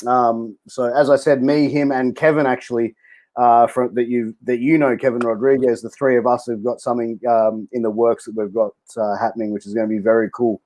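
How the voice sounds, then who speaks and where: A male podcast host running a casual interview, friendly and chummy. He fills his questions with fillers and calls his guest bro. His voice sits at an ordinary middle pitch. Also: level tone, a little fast, darkish tone.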